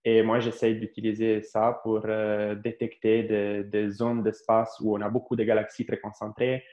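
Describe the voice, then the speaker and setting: A man in his thirties with an Italian accent, an astrophysicist answering interview questions with many pauses, fillers and restarts. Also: fairly low pitch, monotone, dark tone. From Italy. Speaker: astrophysicist guest. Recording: echoey, dull lo-fi live stream.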